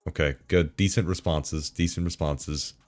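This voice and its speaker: A man's voice: very deep voice, steady tone, normal speed, a little mellow, faint music behind. A male streamer in casual chat, reading forum posts aloud between game loads with sarcastic, chuckling asides.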